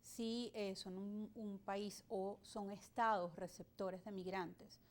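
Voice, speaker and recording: A woman from Venezuela, an immigration lawyer, answering interview questions in a measured, explanatory way with frequent hesitations. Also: medium pitch, fairly even intonation.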